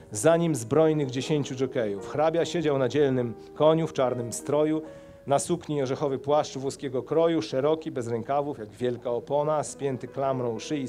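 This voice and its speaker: Warm-voiced man reading epic verse aloud. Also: medium pitch, faint music behind. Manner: expressive, measured verse narration. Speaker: actor reading an epic poem. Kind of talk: dramatic poetry reading. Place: outdoor park event.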